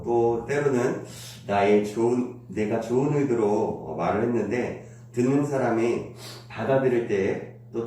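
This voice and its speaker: A man preaches at a dawn prayer service, his voice congested and weak, with throat clearing and "uh" pauses in a slow, careful delivery. His tone is dark and mellow. He is recorded from some distance in a very echoey church sanctuary. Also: mid-range voice, slight background noise. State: nasal congestion, voice not coming out well. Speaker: pastor. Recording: very echoey room, distant mic.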